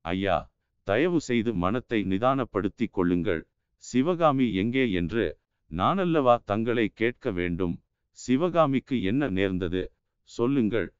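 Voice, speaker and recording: A man's voice: medium pitch, animated, a little slow, clear, resonant tone, dry recording, natural voice. A man voicing a young warrior prince who speaks firmly and with authority, in a dull, lo-fi audiobook recording. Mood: stern. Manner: firm, authoritative. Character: young warrior prince, commanding yet restrained.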